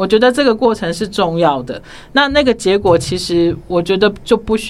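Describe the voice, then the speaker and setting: Here a woman speaks at medium pitch with lively intonation. Her pace is moderate. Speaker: radio co-host. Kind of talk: casual chat. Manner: fluent.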